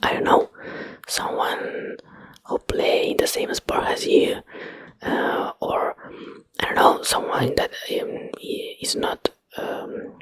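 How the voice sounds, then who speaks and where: A woman with a Spanish accent and native Spanish rambles casually in a breathy ASMR whisper, hesitantly searching for English words, close to the microphone. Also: slow, no room sound. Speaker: ASMR video host.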